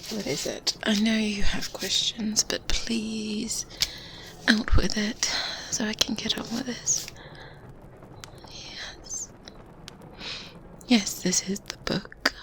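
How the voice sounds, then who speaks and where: A woman's voice: medium pitch, flat delivery, rough recording. Woman playing a whispering, secretive witch. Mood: condescending, explaining. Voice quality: soft, breathy whisper. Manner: slow, deliberate, hushed, commanding. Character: good witch, secretive, brisk, faintly condescending. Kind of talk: whispered ASMR roleplay.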